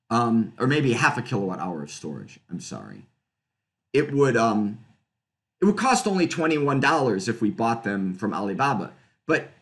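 A middle-aged man giving a conversational research talk over a video call from a room at home, explaining slides with fillers and quick self-corrections. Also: mid-range voice, a bit bright. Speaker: physics researcher presenting. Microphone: webcam on a video call.

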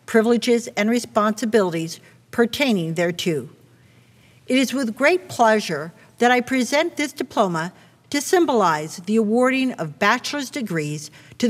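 A middle-aged woman, a university president, conferring degrees in a solemn, deliberate way at a podium on stage. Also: on the high side. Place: stage with podium and red curtains. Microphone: podium mic. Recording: long hall reverb.

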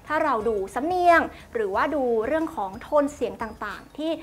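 A woman's voice: high voice, lively intonation, a little fast. A young woman hosting a lesson, chatty and polite, explaining phrases word by word. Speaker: host teaching Chinese through drama clips.

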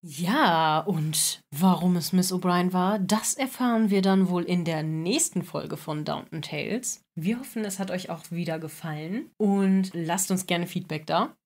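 A woman's voice: fairly low pitch, a little slow, few pauses, darkish tone. Chatty woman podcast co-host. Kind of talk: casual podcast chat.

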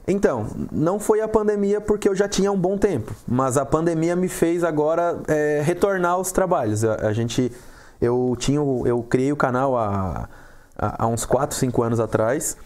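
A man with a Brazilian Portuguese accent, a comedian guest on a talk show, telling stories in an animated way and acting out what people said. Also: on the high side, moderate pace. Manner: animated storytelling, acts out quotes. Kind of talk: casual talk show interview.

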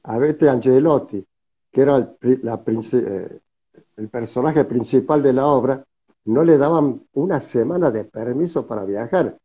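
A man's voice: medium pitch, normal speed, husky. A man in his seventies with a Cordoba Argentine Spanish accent, telling stories casually as an interview guest on a video call. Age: 70s. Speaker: interview guest, theatre director. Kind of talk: casual storytelling conversation. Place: indoor room, video call. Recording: slightly muffled video-call audio.

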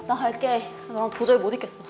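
A woman's voice: on the high side, steady tone, fast talker, reverberant, over loud music, lightly acted. A woman playing a fed-up, indignant girlfriend in a breakup scene.

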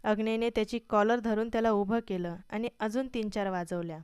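Woman narrating, very clear voice. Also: mid-range voice, fairly even intonation, brisk, a little mellow, no echo. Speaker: storyteller. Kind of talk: scripted narration.

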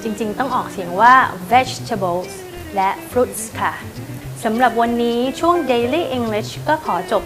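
Woman, TV segment host, fairly high voice, polite scripted delivery, music underneath. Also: animated, measured pace. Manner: polite, scripted, questioning the teacher. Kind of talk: presenting a short English lesson segment.

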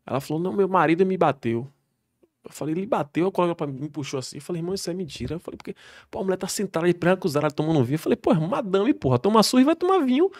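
Fast-talking policeman telling stories. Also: high voice. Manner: slangy, animated anecdote telling. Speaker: military police soldier guest. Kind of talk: podcast storytelling.

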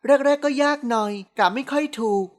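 A man voicing a gentle, sweet young pregnant woman who speaks softly, politely and slowly in an audiobook novel. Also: very high-pitched, voice pushed up. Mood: cheerful. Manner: soft, polite, slow.

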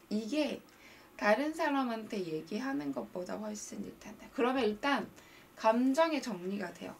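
A woman coaching viewers on a live stream, talking to them directly with animated emphasis. Her voice has a gravelly edge and swings widely in pitch. She sits some way off the mic, with faint noise behind her. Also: distant mic. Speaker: mind-training coach and live-stream host.

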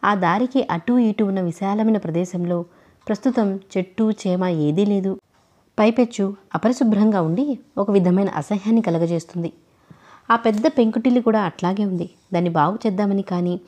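A woman reading a novel aloud in a calm, even storytelling voice, giving the characters' lines only a light touch. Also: mid-range voice.

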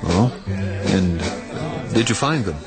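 An actor playing an anxious male fugitive from the future, nervous and quick to anger. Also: deep voice, lively intonation, creaky, loud music behind the voice, exaggerated voice. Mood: guarded. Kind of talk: 1980s radio drama acting.

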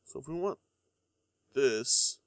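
Young male gaming YouTuber, nasal from a cold, lively up-and-down delivery, lots of fillers. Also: mid-range voice, slow, dry recording. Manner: rambling, many ums and uhs. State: congested from a cold. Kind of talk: casual let's-play commentary.

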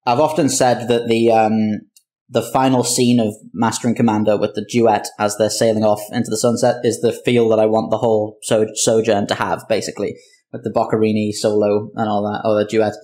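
A man's voice: on the low side, level tone, fairly quick, mellow. A man talking casually as a show creator, telling anecdotes in a wry, conversational way. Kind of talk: casual interview chat, anecdotal.

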